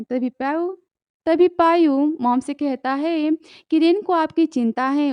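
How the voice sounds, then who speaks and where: Woman recapping a drama, high voice, dry muffled sound, close mic. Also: no echo. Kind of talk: storytelling recap narration.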